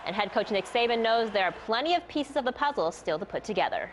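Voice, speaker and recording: A woman's voice: a little high, lively intonation, fast talker, a little hiss or hum, rough recording. A woman with an American accent reading scripted sports news as a TV anchor.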